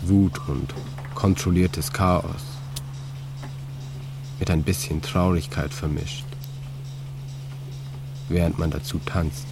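A man reading his own literary prose in a calm, measured, reflective way. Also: sits low, creaky, over music. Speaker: author and narrator. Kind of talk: scripted literary narration.

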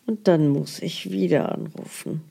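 Husky, slow-talking grumbling old woman. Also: low-pitched, dark tone, exaggerated voice. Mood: indignant. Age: older. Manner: complaining, indignant. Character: aggrieved elderly woman patient grumbling about bills and broken promises. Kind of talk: radio play, mock-documentary monologue.

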